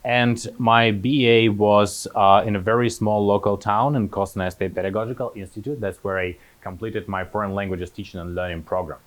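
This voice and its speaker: Lowish-voiced man. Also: steady tone, moderate pace, few pauses. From Kazakhstan. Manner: hesitant, many fillers and restarts. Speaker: postdoctoral researcher presenting. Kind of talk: academic presentation talk.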